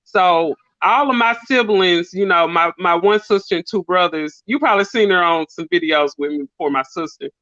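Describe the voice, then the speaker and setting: A woman's voice: lowish voice, moderate pace, hardly any pauses, fairly bright tone, dull audio. A woman in her late thirties, a guest on a casual live chat, speaking openly about her family. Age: 30s. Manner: open, talks freely about her family. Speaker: livestream guest.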